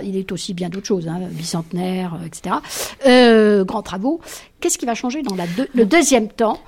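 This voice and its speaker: A woman's voice: mid-range voice, gravelly, darkish tone. A woman hosting a radio panel discussion, circling her way into questions with many restarts. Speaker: host moderating a panel.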